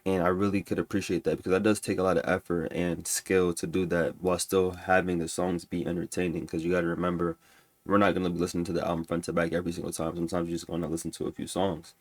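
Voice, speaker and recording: A man's voice: low-pitched, flat delivery, fast talker, dry recording. A man with a stuffy nose ranking music albums in casual, rambling talk full of restarts and fillers. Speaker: music reviewer.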